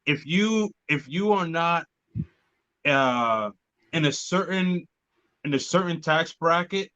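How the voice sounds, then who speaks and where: A man hosting a casual money talk show, speaking haltingly with many fillers and restarts. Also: on the high side, sharp tone, clear, resonant tone, no room sound. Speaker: podcast host. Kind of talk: casual panel chat. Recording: dull, dry lo-fi audio.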